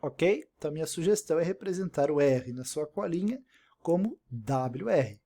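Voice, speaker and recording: A man's voice: a little high, animated, normal speed, dark tone. A man teaching an English lesson in Portuguese, explaining step by step and repeating example words, often checking in with "né?". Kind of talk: recorded online language lesson.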